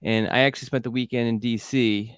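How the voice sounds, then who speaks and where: A man's voice: medium pitch, steady tone, a little fast, smooth, dry recording, studio quality. A middle-aged man co-hosting a casual sports chat, easygoing and a bit rambling. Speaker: recruiting reporter, co-host.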